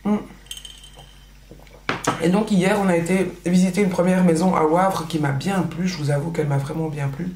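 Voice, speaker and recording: A woman's voice: lowish voice, fairly even intonation, normal speed, long pauses, background noise. Woman, Belgian French accent, native Dutch speaker, casual rambling chat, roomy echo. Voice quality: chatty, many fillers and restarts. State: pregnant. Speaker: vlogger. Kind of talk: casual chat while doing makeup.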